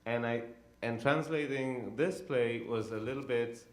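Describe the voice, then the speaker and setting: A man's voice: medium pitch, unhurried, echoey room. A man who grew up in Israel, a director talking with an audience after a show, chatty and full of "you know". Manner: conversational, lots of "you know" and "um". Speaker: director and co-translator. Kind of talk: post-show talkback answers. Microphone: handheld microphone.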